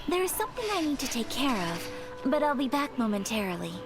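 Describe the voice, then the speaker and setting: Brief: polite young noblewoman in a game, gentle and apologetic, high voice. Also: very animated, fast talker. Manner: soft-spoken, formal, apologetic. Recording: game audio with music behind.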